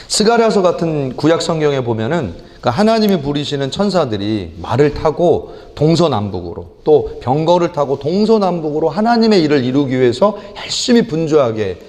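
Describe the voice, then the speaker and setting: A middle-aged male pastor preaching a sermon, animated and acting out prayers and rebukes in lively voices. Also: fairly high pitch, moderate pace, few pauses. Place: church sanctuary. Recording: long church hall reverb.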